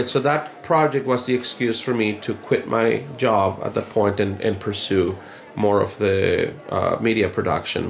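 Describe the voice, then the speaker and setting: Over noticeable background noise, a man with a Spanish accent and medium pitch speaks at a moderate pace with very even loudness. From Mexico. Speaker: musician and designer. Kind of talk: casual chat.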